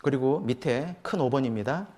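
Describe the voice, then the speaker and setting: A man's voice: medium pitch, lively intonation, moderate pace, a little mellow. Korean man teaching a church class. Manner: explains steps, acts out a mother's lines. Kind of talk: Bible class lecture.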